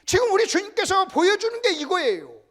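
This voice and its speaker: A male pastor preaching a sermon lecture, emphatic, keeps calling out to the congregation, and sometimes drops to a hushed whisper. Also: very high-pitched, wildly swooping pitch, brisk.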